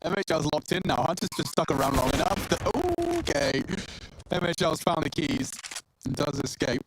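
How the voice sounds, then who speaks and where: A man's voice: on the high side, normal speed, slight background noise, rough recording. A man giving chatty, joking color commentary and analysis on an esports match.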